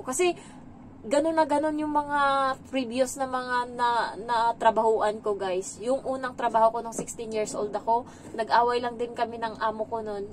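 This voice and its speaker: Chatty Filipina helper with a higher voice. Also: female voice, slight background noise, poor audio. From Philippines. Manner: chatty, mixes English into her talk, laughs between stories. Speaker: domestic helper. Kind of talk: casual vlog chat.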